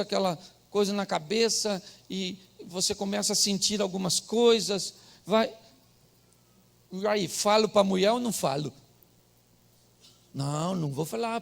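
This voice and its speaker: A middle-aged Brazilian pastor telling a comic story in a sermon, dropping to murmured asides and rising to shouted punchlines. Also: male voice, sits high, vocal fry.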